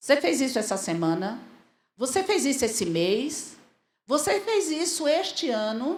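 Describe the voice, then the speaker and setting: Speaking fairly slowly in a high pitch with very wide pitch swings, a woman is heard amid audible room echo. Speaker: guest preacher. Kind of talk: sermon.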